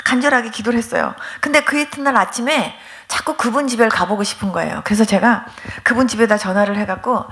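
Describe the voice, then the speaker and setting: A woman pastor giving a testimony sermon, telling her story in a lively way and acting out the dialogues. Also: on the high side, quick pace, few pauses.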